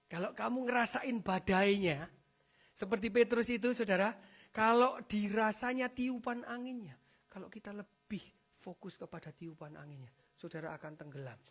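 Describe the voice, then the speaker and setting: A pastor preaching a lively sermon to a congregation. The pastor keeps calling out to the listeners, and the delivery swings from loud bursts of emphasis to low, quiet asides. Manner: animated preaching, addresses the congregation as "saudara" after almost every phrase. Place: church service.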